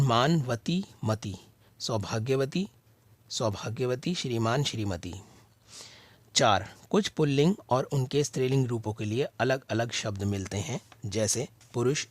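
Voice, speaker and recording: A man reading out answers for students at a steady, dictation-like pace, pausing after each listed word. His pitch sits in an ordinary middle range. The recording is dry and close, with no room sound. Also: dry recording. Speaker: tutor reading out assignment answers. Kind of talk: slow read-aloud of study answers.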